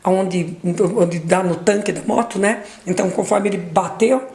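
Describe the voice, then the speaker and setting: A woman's voice: medium pitch, moderate pace, darkish tone, reverberant. A middle-aged woman giving an emotional personal testimony, retelling what everyone said in long runs of dialogue, with restarts and fillers. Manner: retells dialogue with repeated 'aí eu peguei e falei', restarts and fillers.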